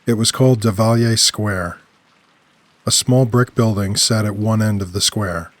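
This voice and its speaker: A man's voice: lowish voice, fairly even intonation, a little slow, no echo. A man narrating scripted first-person audio fiction. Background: music.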